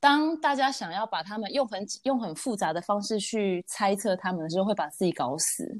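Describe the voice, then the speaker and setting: With hardly any pauses, the speech moves at a moderate pace through very wide pitch swings. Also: woman, medium pitch for a woman. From Taiwan. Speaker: guest sharing life experience. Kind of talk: casual chat. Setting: remote recording.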